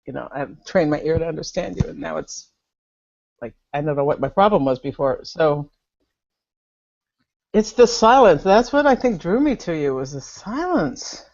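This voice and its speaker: Low-voiced woman sharing, laughing often. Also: normal speed, vocal fry. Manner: laughs often, sighs, animated storytelling. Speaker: student at a spiritual gathering. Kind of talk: candid personal sharing. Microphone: remote video call. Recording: dull, lo-fi video call audio.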